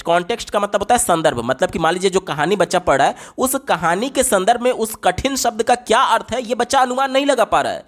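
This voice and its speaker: High-voiced man teaching exam prep. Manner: reads English question text slowly, explains in Hindi, repeats key points. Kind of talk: exam-prep lesson explaining answer options.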